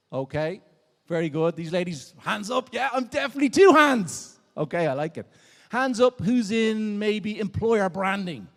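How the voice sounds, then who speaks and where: In an Irish accent, a man talks at a moderate pace with a high pitch, an animated tone and lively intonation on a very clean recording with a silent background. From Ireland, Dublin. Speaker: conference speaker. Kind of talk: conference keynote talk. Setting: stage with audience.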